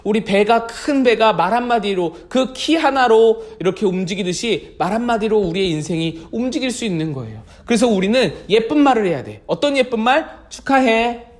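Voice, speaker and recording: A man's voice: sits high, a little fast, hardly any pauses. A man who is a children's pastor gives a sermon, talking straight to the kids and asking them questions. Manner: animated, speaks directly to children with questions.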